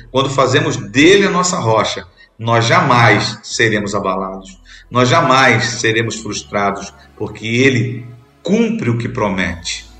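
Earnest Brazilian preacher in echoey hall. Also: male voice, medium pitch, sharp tone. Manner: earnest, repetitive emphasis, pausing between phrases. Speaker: bishop preaching. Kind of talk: sermon.

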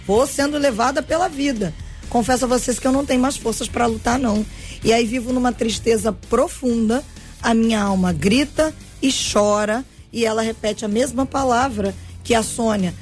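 A woman's voice: a little high, normal speed, darkish tone, faint music behind. A woman co-hosting a radio talk show, chatting plainly and reading listener messages aloud. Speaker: radio co-host.

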